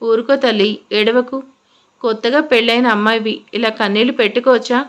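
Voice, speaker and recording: A woman's voice: fairly high pitch, fairly even intonation, brisk, natural voice. A woman voicing a stern elderly aunt who heads the household, scolding and comforting by turns. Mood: soothing. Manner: scolding then soothing.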